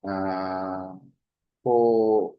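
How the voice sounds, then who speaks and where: A man with a Korean accent, a native Korean speaker, giving an informal spoken lesson on language learning, halting with many fillers and restarts. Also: deep voice, level tone, clear, resonant tone, dull audio, soft background music. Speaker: language exchange host.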